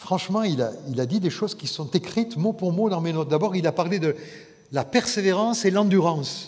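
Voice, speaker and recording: A man's high voice at a fairly quick pace, full of lively intonation. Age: 60s. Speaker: pastor. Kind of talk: sermon.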